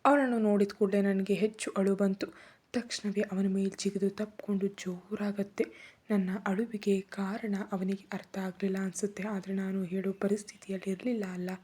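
A woman tells a first-person drama in a hushed, half-whispered way. Her voice is husky and mellow, and her pitch stays fairly flat even in tense moments. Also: moderate pace. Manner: soft, often whispery. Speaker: storyteller. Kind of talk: first-person story narration.

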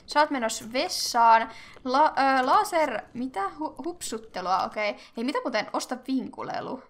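A young woman hosting casual game commentary, chatty and excitable, thinking aloud and squealing at cute animals. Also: high voice, a little hiss or hum. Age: young adult. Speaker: gaming channel host.

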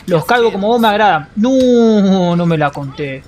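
A man's voice: high-pitched, expressive, moderate pace, darkish tone. Brash young Rioplatense man streaming. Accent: Rioplatense Spanish. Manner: brash, swearing, joking, half-singing. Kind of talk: casual gameplay roleplay stream.

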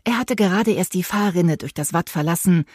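A woman reading an audiobook in a steady, even storytelling manner. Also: lowish voice, a little fast, no echo, clean studio sound. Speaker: audiobook narrator. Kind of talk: scripted audiobook narration.

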